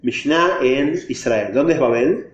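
A man's voice: medium pitch, animated, slow. A man teaching a class, explaining step by step and quizzing his students. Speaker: religion teacher. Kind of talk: classroom lesson. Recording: echoey, dull lo-fi room recording.

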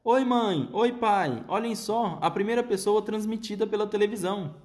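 A man voicing a tiny, spoiled boy with a thin, squeaky little voice in a read-aloud story. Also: normal speed, darkish tone, close to an everyday voice. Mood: cheeky.

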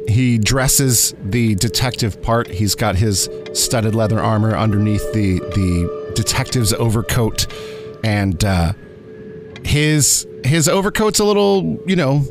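Slow, gravelly man recapping his character. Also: lowish voice. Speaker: podcast producer and player. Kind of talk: casual character recap on a tabletop show. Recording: music behind the voice.

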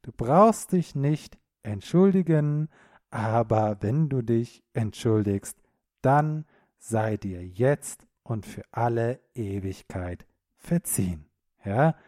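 A man hosting a podcast lesson for German learners, speaking slowly and clearly in an encouraging tone, often checking in with a quick question. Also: mid-range voice, animated, dark tone, dry recording, studio quality. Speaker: podcast host and German teacher.

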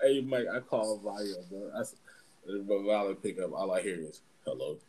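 A man with an African American accent bantering casually as a podcast co-host, animated and slangy, often repeating himself. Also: on the low side, moderate pace, poor audio. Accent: African American English.

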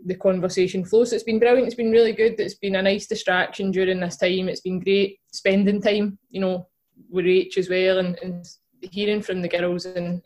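A young Glaswegian woman from Scotland, a footballer and podcast co-host, chats casually as an interview guest with lots of fillers and restarts. Her voice is fairly low-pitched and a little mellow.

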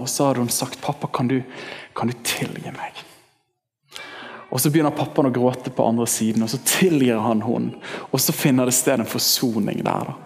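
A thirty-year-old male pastor preaches to his congregation, swinging between chatty storytelling and sudden excited highs. His voice sits in an ordinary middle register. He speaks into a stage microphone at a church service. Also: in a large hall. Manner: lively storytelling, pitch jumping up when excited. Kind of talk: sermon.

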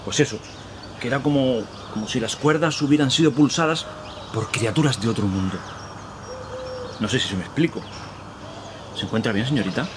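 A man playing a kindly, talkative park worker who speaks courteously and pauses to search for words. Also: mid-range voice, background noise, lightly acted. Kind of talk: radio drama acting. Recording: outdoor park ambience with birds. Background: birds and outdoor ambience.

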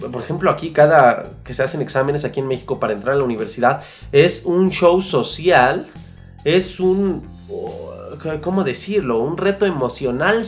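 A podcast host with a Mexican accent speaks in a motivational monologue, coaching the listener, repeating key phrases and using colloquial slang. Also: mid-range voice.

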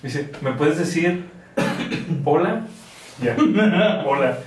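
A man's voice: fairly high pitch, lively intonation, drawn-out words, distant mic. Mexican man telling a story, roomy sound. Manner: laughing anecdote-telling, acts out voices. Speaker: podcast co-host. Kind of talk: casual chat, storytelling.

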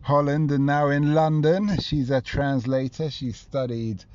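A man's voice: a little high, steady tone, unhurried, a little mellow, dull audio. Casual male interviewer in a taxi. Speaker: podcast host interviewing taxi passengers. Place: inside a moving taxi.

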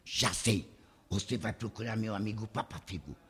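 An actor playing a wise old woman counsellor in a Brazilian radio play, with a gravelly, husky voice. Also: mid-range voice, normal speed. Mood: knowing. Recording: reverberant hall-like echo.

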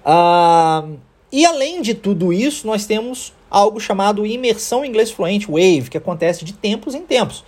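Husky Brazilian male English teacher, patient explainer for a podcast lesson. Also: high-pitched, expressive, moderate pace, a little mellow. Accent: Brazilian Portuguese. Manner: explanatory, checks in with "tá?" and "ok?".

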